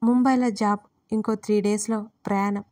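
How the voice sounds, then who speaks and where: A woman voicing a heartbroken young woman who speaks to her older sister gently and teasingly. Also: mid-range voice, fairly even intonation, normal speed, no echo, studio quality, natural voice. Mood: quiet.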